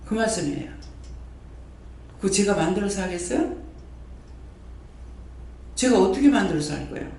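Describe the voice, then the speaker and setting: A male pastor, preaching a sermon with animated repetition and frequent questions to his congregation. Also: sits high, normal speed, gravelly, long pauses. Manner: animated preaching, repeats phrases, quizzes the congregation. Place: church prayer hall. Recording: very echoey hall, mic far off.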